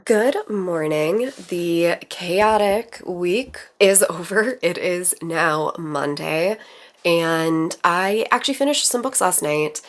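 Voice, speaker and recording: A woman book vlogger chatting casually about her reading, a little raspy and rambling with fillers. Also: lowish voice, fairly bright tone. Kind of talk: casual chat.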